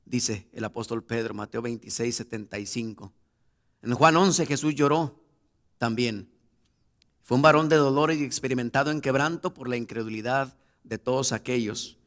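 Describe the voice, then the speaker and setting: Man preaching with rising, emphatic force. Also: medium pitch. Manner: reads scripture aloud, then rises to loud, emphatic preaching; addresses the congregation directly as brothers. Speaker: pastor. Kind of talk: sermon.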